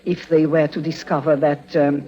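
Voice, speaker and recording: An actor playing a smooth, ingratiating schemer who talks in a courteous, hesitant, roundabout way. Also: male voice, a little high, level tone, moderate pace, mellow, close to an everyday voice. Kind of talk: 1950s radio drama. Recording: muffled old radio recording.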